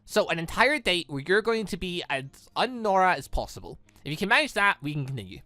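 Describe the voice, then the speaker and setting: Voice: mid-range voice, big pitch swings, a little fast, bright, forceful tone, no room sound. A gaming YouTuber reading out the part of a guarded, bossy young woman in a visual novel who speaks bluntly, with music behind. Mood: stern, bossy.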